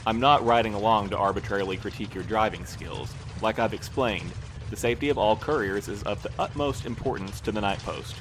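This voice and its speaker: A man's voice: fairly low pitch, fairly quick, background noise, close to an everyday voice. A man acting in an audio drama as a fussy, earnest postal supervisor who speaks in formal, precise language. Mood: earnest, lecturing. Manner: formal, precise, prim wording. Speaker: voice actor in a fiction podcast.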